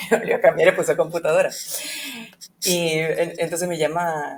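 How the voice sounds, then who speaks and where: Her voice is somewhat breathy, and this woman speaks at a fairly low pitch. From Canary Islands, Tenerife. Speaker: journalist. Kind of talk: interview.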